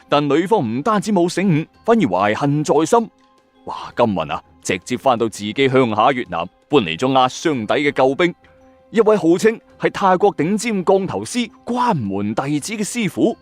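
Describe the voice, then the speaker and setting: Speaking at a medium pitch on a dry recording, this man hosts a ghost story audio channel. He has a Hong Kong Cantonese accent and tells a suspenseful, dramatic late-night ghost story in everyday language, with exclamatory remarks and music playing behind him.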